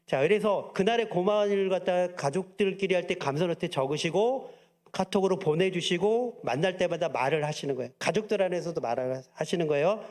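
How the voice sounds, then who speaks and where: A man's voice: high-pitched, brisk. A male pastor preaching a sermon, often asking the congregation questions and acting out little quoted lines. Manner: lively, asks the congregation questions and acts out quotes.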